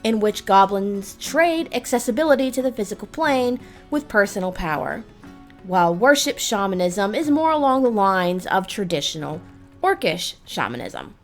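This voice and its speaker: A woman's voice: medium pitch, very animated, normal speed, soft background music. A woman host narrating a scripted explainer in the style of a video game guide.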